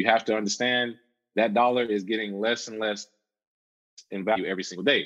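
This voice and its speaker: With an American accent, a man speaks in an unremarkable speaking voice, fairly low in pitch and fairly even in intonation. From North Carolina, Charlotte. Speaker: author and bitcoin educator. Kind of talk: interview.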